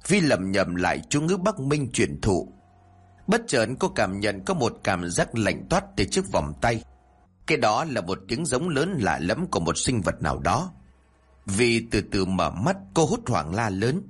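A man narrating a spooky audio story with a lively, dramatic telling. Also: fairly low pitch, unhurried, breathy edge.

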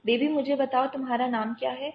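A woman voicing a calm, commanding young male army captain who steadily coaxes a frightened child, on dull lo-fi audio. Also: sits high, faint music behind. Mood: coaxing. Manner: steady, coaxing, talks a frightened child through danger.

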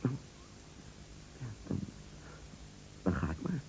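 A man's voice: mid-range voice, very animated, slow pace. An actor playing a shaken, earnest friend in a Dutch radio play, hesitant and repeating his words. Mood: urgent, hesitant. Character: shaken, earnest male friend, polite and stammering. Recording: dull, noisy old radio recording.

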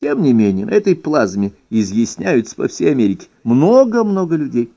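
Man reading aloud, lively ironic lilt. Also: medium pitch, normal speed, gravelly. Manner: expressive, ironic, lively emphasis. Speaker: reader. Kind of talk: reading an ironic first-person essay aloud. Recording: dull lo-fi recording.

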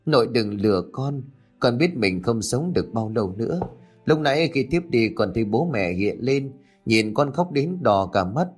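A man voicing a sickly, remorseful teenage girl in a spoken ghost story, talking in a soft, pleading way. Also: mid-range voice, animated, moderate pace, husky, faint music behind. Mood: sorrowful, pleading.

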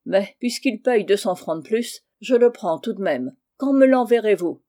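Woman reading as a blunt greedy schoolmaster guy, gruff and loud, bossy. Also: medium pitch, lively intonation, moderate pace, close to an everyday voice. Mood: bargaining.

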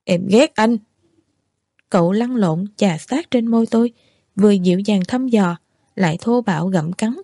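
A woman reading a novel aloud as an audiobook narrator, in steady, measured first-person narration. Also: mid-range voice, no echo, studio quality.

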